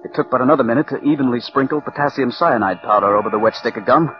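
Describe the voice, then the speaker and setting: An actor playing a calm, scheming writer who narrates his own murder plot in a 1940s radio drama. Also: mid-range voice, music in the background, natural voice. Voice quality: measured, cool narration. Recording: dull old radio broadcast recording.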